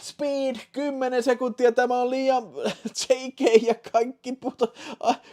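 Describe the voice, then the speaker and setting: A man hosting a livestream, constantly swearing and shouting excitedly, his voice giving out. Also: very high-pitched. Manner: tired, winding down. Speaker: livestream host. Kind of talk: livestream chat.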